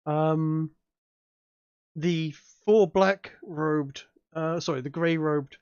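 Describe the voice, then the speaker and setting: Halting male game master, dry dull sound. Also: on the high side, fairly even intonation, darkish tone, smooth, dry recording. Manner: halting, repeats words. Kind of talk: improvised tabletop game narration.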